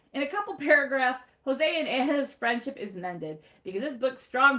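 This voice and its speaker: A woman with a Michigan accent speaks in a raised, projected, high-pitched voice, with lively intonation and a fairly quick pace. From Michigan, US.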